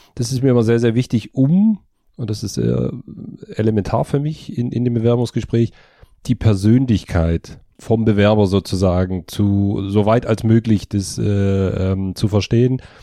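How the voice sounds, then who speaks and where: A man with a slight southern German accent, fairly low in pitch, dark and mellow in tone, at a fairly slow pace with ordinary pitch variation. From southern Germany. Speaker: manager who hires staff. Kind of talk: interview.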